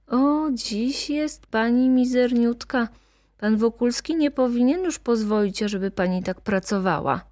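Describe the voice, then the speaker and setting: A woman's voice: fairly high pitch, a little slow, darkish tone, pitched above the performer's own voice, close to an everyday voice. A woman voicing a middle-aged shopkeeper woman with a sly, insinuating manner.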